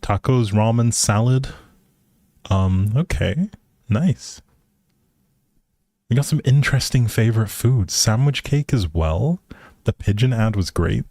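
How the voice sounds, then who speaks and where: Man, game streamer, lowish voice, unhurried pace, easygoing hesitant rambling, close dry sound. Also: expressive, mellow, no echo. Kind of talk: casual chat with viewers while gaming.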